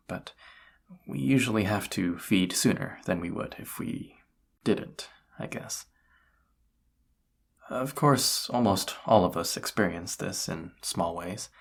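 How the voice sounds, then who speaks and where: A man playing a tired, flustered incubus roommate in an intimate audio roleplay, speaking in a halting, awkward way with a husky, gravelly voice. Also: sits low, exaggerated voice. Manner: hesitant, halting, soft-spoken, awkward. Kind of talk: roleplay audio drama, intimate one-sided dialogue.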